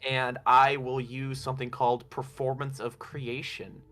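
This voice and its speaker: A man playing a tabletop game, calmly explaining rules in a matter-of-fact way. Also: mid-range voice, a little slow. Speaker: player.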